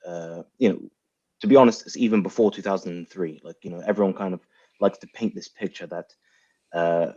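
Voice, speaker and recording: A man with a very low voice gives political analysis as a panel guest. He feels his way through phrases and puts rhetorical questions to make his point. The sound is somewhat muffled and lo-fi. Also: a little mellow. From grew up in the West, of Iraqi background. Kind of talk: spoken political analysis in an online panel debate.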